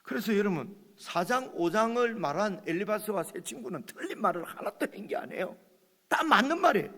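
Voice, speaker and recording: A man's voice: sits high, animated, a little fast, a bit bright, in a large hall. A man preaching a sermon, passionately voicing the protests in the scripture he reads. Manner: impassioned, acts out the speaker's protests in the text. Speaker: pastor. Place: church sanctuary.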